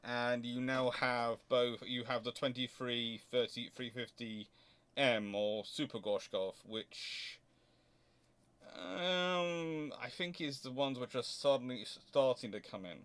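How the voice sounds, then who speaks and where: A man with a clear, resonant voice at an average pitch answers questions in an unscripted, explanatory style. He thinks aloud as he goes, pausing and hesitating, then hurrying through the next phrase. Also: a bit bright. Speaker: host answering viewer questions on naval history.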